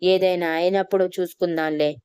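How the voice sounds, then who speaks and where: A woman's voice: fairly low pitch, steady tone, fairly quick, a little mellow, clear, resonant tone, dry recording, studio quality, close to an everyday voice. A woman voicing a rich young man who speaks in an irritated, dismissive way in an audio story.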